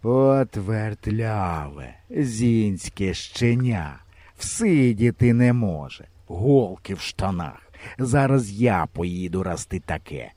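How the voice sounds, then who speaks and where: A man reading a storybook, voicing a fussy grown-up hunter who drawls his words slowly. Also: lowish voice, animated, mellow, no room sound, pitched below the performer's own voice. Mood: grumbling.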